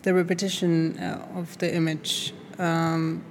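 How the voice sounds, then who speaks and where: In a noisy recording made in an art academy studio, a Chilean woman whose first language is Spanish responds to an interview as an art student. She speaks at a measured pace in a lowish, flat voice, hesitating often, groping for words, and filling gaps with fillers.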